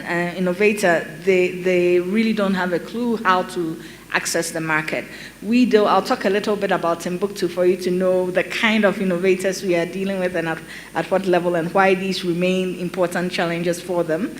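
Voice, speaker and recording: A woman's voice: fairly low pitch, fairly even intonation, slight background noise. Ghanaian woman speaking on a panel. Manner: measured, explanatory, with frequent ums and restarts. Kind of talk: conference panel talk.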